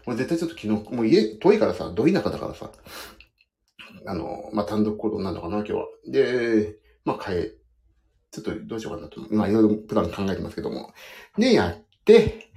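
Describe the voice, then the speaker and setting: Warm and fairly low, the man's voice drifts through a casual, rambling chat about his piano work as he sits with his feet in a foot bath. A pianist and audio podcaster, he tells stories with self-mocking asides, and the bathroom makes the recording echo.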